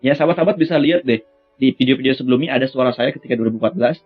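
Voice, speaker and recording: A man's voice: medium pitch, rapid-fire, slightly rough, narrow, tinny audio, soft background music. A young man teaching Quran recitation singing in a casual, friendly lesson, with sung chant demonstrations. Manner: friendly, addresses viewers as friends, breaks into melismatic chant. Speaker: vocal coach for Quran recitation.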